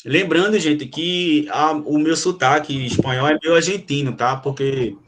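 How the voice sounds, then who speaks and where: A male teacher lecturing to students, often pausing to ask if they follow and explaining with quick examples. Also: fairly high pitch, a bit bright, a little hiss or hum. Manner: frequent checking questions to students. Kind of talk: classroom lecture.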